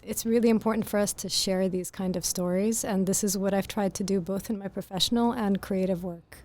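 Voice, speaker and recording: Soft-spoken woman author, podcast guest, earnest and articulate, mid pitch. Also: fairly even intonation, fairly quick. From grew up in Greece. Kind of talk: podcast interview.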